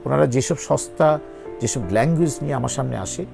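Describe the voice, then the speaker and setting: Male actor guest, gravelly, emphatic and sincere, interview chat. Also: mid-range voice, a little fast, over loud music. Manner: earnest, emphatic, pleading. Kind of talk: interview conversation.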